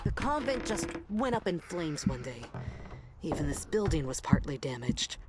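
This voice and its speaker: A woman voicing a gossiping character in a video game, passing on dark secrets in a conspiratorial way that often drops to a whisper. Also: low voice, big pitch swings, moderate pace, heavy background noise. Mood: gossipy.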